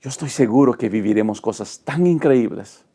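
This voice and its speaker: A man's voice: medium pitch, expressive, normal speed, dark tone, slightly rough. A middle-aged male pastor, teaching a Bible study lesson with dramatic, emphatic delivery and rhetorical lists.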